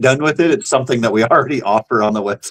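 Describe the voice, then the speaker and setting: A very fast-paced man with an American accent, in a dry, close sound with no echo. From Texas. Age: 50s. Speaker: fishing lure company owner. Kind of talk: casual chat. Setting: podcast interview.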